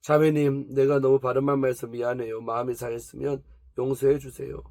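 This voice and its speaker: A man reading aloud the questions of a pastor's wife counseling a troubled woman, pointed and calm. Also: mid-range voice, brisk, no echo, close to an everyday voice. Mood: gentle.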